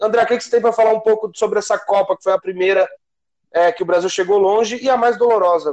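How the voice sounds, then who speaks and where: Speaking at a very fast pace, a man uses a high pitch with fairly even intonation. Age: 20s. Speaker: podcast host. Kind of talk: casual chat; scripted narration.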